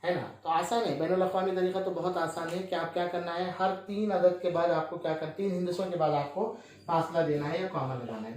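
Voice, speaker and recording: A man's voice: fairly high pitch, a little mellow. Man teaching in a very echoey room. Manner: asks questions and answers them himself, with frequent tag checks. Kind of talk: classroom maths lesson.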